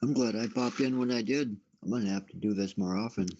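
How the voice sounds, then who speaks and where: A man with a dark, relaxed voice chats casually on a radio show. His pitch is fairly low, and the app audio is a little dull. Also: fast.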